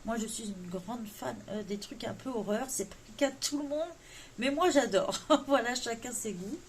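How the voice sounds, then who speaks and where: In this casual chat, a coloring vlogger talks through her wish list, hesitating often and joking about her English accent. She speaks at a moderate pace in an expressive, fairly high voice, with a little hiss or hum behind her.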